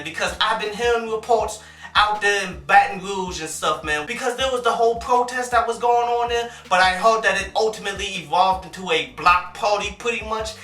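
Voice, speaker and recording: High bright-voiced man reviewing music. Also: echoey room, far from the mic. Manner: laid-back, peppers talk with "man" and "and such". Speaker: music reviewer and show host. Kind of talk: casual vlog-style commentary.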